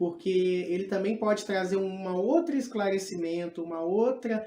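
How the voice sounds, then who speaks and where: A man at a moderate pace, with audible room echo. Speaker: Umbanda priest and teacher. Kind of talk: lecture. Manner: casual, conversational.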